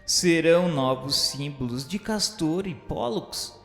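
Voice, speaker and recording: A man's voice: fairly high pitch, lively intonation, slow, a bit bright. A man with a Brazilian accent reading scripted, literary radio narration in a solemn, grandiloquent, formal manner. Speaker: narrator of a religious radio novela. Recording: echoey hall-like reverb, music underneath. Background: music.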